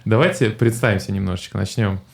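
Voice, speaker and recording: A middle-aged man hosting a casual group podcast, joking and laughing often, halting with fillers. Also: fairly low pitch, gravelly, breathy edge. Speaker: podcast host.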